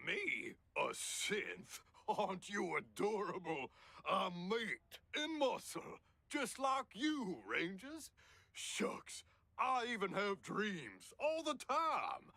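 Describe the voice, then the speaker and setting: Long John, a gravelly synth faking humanity. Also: male voice, high-pitched, big pitch swings, slow pace, pushed and bright, no echo, heavily acted. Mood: folksy. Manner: folksy, cheery, overly insistent on being human. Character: synthetic man posing as a folksy human. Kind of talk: video game character dialogue.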